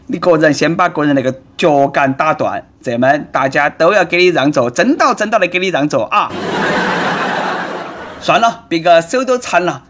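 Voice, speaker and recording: A man's voice: on the high side, fairly bright tone, a little hiss or hum. A man with a Nanchong Sichuanese accent hosting a comic commentary in a sarcastic, mocking manner. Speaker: host.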